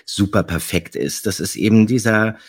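A man's voice: on the low side, moderate pace, husky. A man co-hosting a podcast, giving emphatic, opinionated critique in casual conversation. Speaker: podcast co-host.

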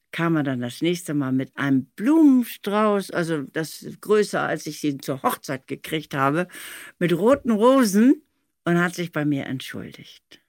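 An older woman recalling studio work in an animated, anecdotal way, with emphatic stress on key words. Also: sits low, no echo. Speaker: audio drama director recalling studio work.

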